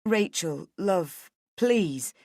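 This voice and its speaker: A woman voicing a frightened, tearful husband in an audiobook, gentle and pleading, with a hesitant delivery. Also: mid-range voice, expressive, unhurried, dry recording, studio quality, natural voice. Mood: scared, pleading. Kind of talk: dramatic audiobook character dialogue.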